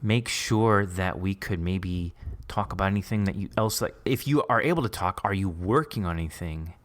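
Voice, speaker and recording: A man's voice: low-pitched, normal speed. A man hosting a podcast, chatting casually with his guest in an effusive, encouraging way. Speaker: podcast host. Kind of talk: casual interview chat.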